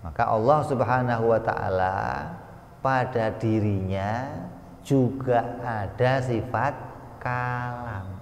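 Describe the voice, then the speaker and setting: A man giving a slow, explanatory religious study lecture, now and then voicing sound effects for his examples. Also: mid-range voice, slight background noise. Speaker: religious teacher. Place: pesantren study hall. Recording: echoey hall with long reverb.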